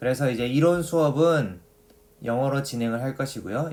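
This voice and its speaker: A man with an unremarkable speaking voice talks at a fairly high pitch. His intonation is lively and his pace is moderate. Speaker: university professor. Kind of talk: lecture. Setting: recorded online lecture.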